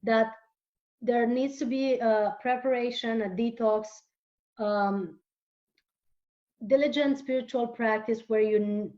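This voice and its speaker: A woman whose first language is Romanian, a guest author speaking earnestly in an interview, often pausing and repeating words. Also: on the high side, steady tone, dark tone, dull audio. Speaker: guest author and holistic therapist. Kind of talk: casual interview talk.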